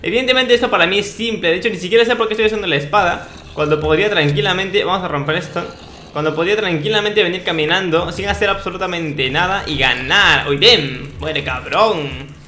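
A young man with a high, bright voice commentates casually over a video game. He talks in playful slang and boasts in jest. The sound is roomy and echoey. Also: fairly quick. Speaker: gaming video host. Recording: roomy echo, faint noise, clicks.

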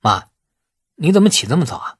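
A man's voice: a little high, sing-song, brisk, slightly rough, no room sound, studio quality, pitched above the performer's own voice, full character voice. A man playing a patient young man in an audiobook, explaining things conversationally to his mother. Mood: soothing.

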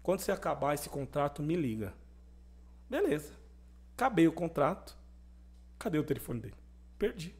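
A young adult man speaking as a podcast guest, his voice sitting a little high for a man. He tells his story with energy and plays out the lines of the people in it as he goes. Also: moderate pace, pauses often, slightly rough. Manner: animated testimony, acting out quoted dialogue. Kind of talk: conversational storytelling.

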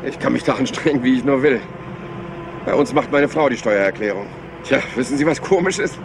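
An actor playing a rumpled, polite police inspector in a crime radio play, hesitant and rambling as if scatterbrained. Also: male voice, medium pitch, a little fast, noisy background, lightly acted. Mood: musing, chatty. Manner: hesitant, rambling, courteous, mock-modest.

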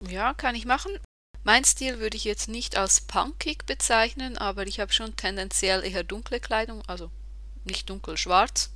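Bright-voiced podcaster in their thirties. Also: mid-range voice, normal speed, no echo. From Switzerland. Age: 30s. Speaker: podcast co-host. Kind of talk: casual podcast chat.

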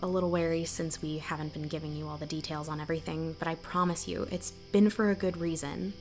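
Actress as a low-voiced, candid local woman. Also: fairly even intonation, fairly quick, soft background music. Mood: apologetic. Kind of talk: audio drama dialogue.

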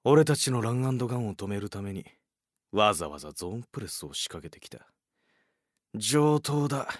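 A man's voice: on the low side, expressive, a little fast, no room sound, studio quality. A man playing a confident, determined young athlete, a cool-headed team playmaker, anime-style. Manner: cocky, determined. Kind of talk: anime-style dramatic acting.

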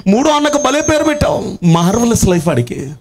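Give me a preacher voicing a grown son wailing his complaints, with a high voice. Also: sing-song, brisk, creaky, full character voice. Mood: pleading. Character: grown son in despair, cursed by his name.

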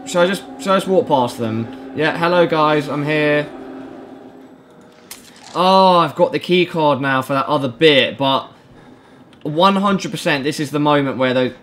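A man's voice: mid-range voice, fairly bright tone. A young man giving scared, reactive horror game commentary, nervously pleading and repeating himself, often with dry jokes. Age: young adult. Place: small home room.

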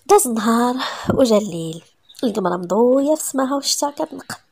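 Fast-talking Moroccan woman storyteller. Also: a little high, expressive, a little mellow, a little hiss or hum. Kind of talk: read-aloud story narration.

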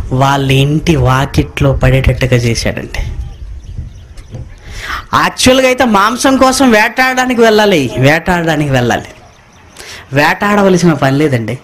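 A man preaching a sermon, asking the congregation rhetorical questions and repeating phrases for emphasis. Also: on the high side. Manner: reads scripture line by line, echoing the congregation.

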